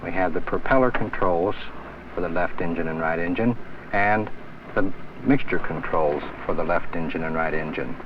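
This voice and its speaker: A man with a lowish voice instructs a student pilot step by step. He sounds distant from the microphone, with loud aircraft noise all around him. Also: normal speed, highs cut off. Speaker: flight instructor. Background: aircraft engine noise.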